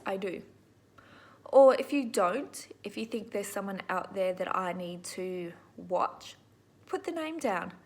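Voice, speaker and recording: A middle-aged Australian woman hosting a crafting video, chatting casually to viewers in an informal, rambling, self-deprecating way. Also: mid-range voice.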